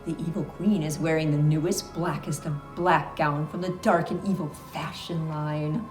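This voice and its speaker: A woman playing an earnest, excitable Red Riding Hood, announcing a fairy tale fashion show in a theatrical skit style. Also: low voice, normal speed, close to an everyday voice. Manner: theatrical, animated. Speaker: co-host. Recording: roomy echo, music behind.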